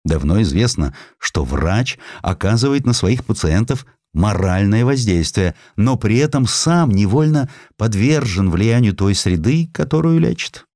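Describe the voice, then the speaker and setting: A man's voice: on the low side, expressive, unhurried, few pauses, a little mellow, no room sound, studio quality. A man reading literary narration as an audiobook narrator, with theatrical storytelling delivery. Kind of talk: expressive scripted literary narration.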